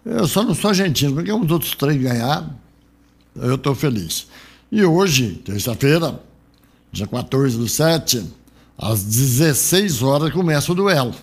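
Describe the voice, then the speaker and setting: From a radio studio, a middle-aged Brazilian radio host chats loosely about football on his local show, wandering into frequent rambling asides. His husky, medium-pitched voice is animated and unhurried.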